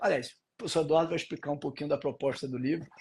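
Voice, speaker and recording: Very rapid speech from a man, on a very clean recording against total silence. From Northeast Brazil, Recife. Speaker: law professor and live-stream host. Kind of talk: live-stream interview.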